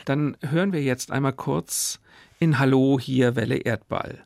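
A man's voice: medium pitch, unhurried, gravelly, a little mellow, no echo, studio quality. A man hosting a radio programme, speaking in an articulate, analytical way. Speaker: radio host. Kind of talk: scripted narration and expert conversation about radio history. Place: dry studio.

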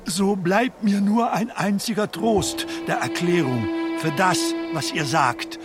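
An actor playing an earnest, deferential medieval scribe in a radio play, with a formal, archaic and solicitous manner. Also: male voice, high-pitched, takes it slowly. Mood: earnest, puzzled. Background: music.

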